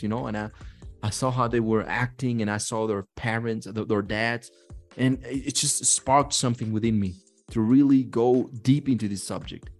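A man with a mid-range voice hosts a casual motivational talk. He speaks bluntly and swears freely, with music playing faintly behind him. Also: mid-range voice. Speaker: host of a talk on manhood.

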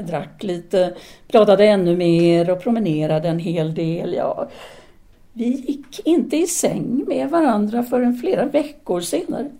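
Actress as a mellow, self-assured intellectual Frenchwoman. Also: medium pitch, close to an everyday voice. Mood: reflective, candid. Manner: didactic, deliberate, teasing. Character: self-assured, seductive intellectual Frenchwoman, outspoken feminist free thinker. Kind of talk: audio drama dialogue.

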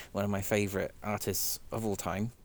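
A man's voice: fairly low pitch, unhurried, dry recording. A man in casual chat about music, enthusiastic and chatty, laughing easily as he talks.

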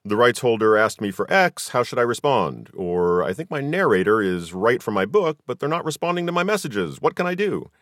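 A man's voice: medium pitch, big pitch swings, a little fast, hardly any pauses, a bit bright, no room sound, studio quality. A middle-aged American man hosting a casual conversational interview. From Southern California, US. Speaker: podcast host.

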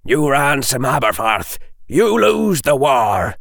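A man's voice: fairly high pitch, expressive, slow, gravelly, no echo, studio quality, voice pushed up, exaggerated voice. A man voicing a harsh, blunt male fighter who growls his words. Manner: growling and forceful.

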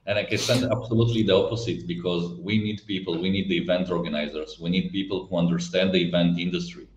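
A man whose first language isn't English, a guest from an event technology company, speaks with a foreign accent in a deep, steady voice at a quick pace. He explains things conversationally, sometimes searching for words. The lo-fi recording sounds roomy and slightly dull, with a little hiss or hum.

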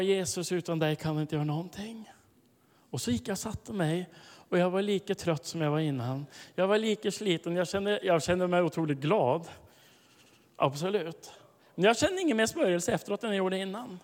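A man preaching a sermon to a congregation, telling a story with sudden loud, high-pitched bursts of emphasis. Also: animated. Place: large hall, preaching to a congregation. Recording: long hall reverb.

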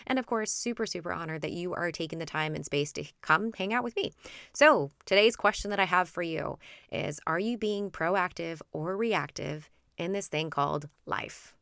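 A woman's voice: fairly low pitch, normal speed, gravelly, a bit bright, smooth, no room sound, clean studio sound. Nasal, upbeat woman podcast host. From Florida. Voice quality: nasal from allergies. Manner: upbeat, chatty, encouraging. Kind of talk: casual solo podcast talk.

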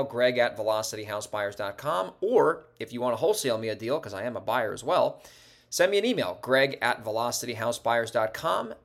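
Man, podcast host, casual upbeat chat, medium pitch. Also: fairly bright tone. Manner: upbeat, conversational, frequent fillers.

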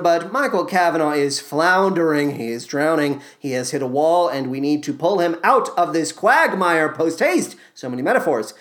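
A man's voice: a little high, fairly bright tone. A male podcast host ranting sarcastically and with exasperation in a comedic review monologue. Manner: sarcastic, exasperated rants with mock voices.

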